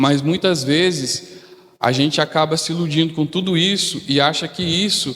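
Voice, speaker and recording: A man with a fairly high voice talks at a moderate pace, his pitch varying in an ordinary way while noticeable noise runs in the background. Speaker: Bible study teacher. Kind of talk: Bible class lecture.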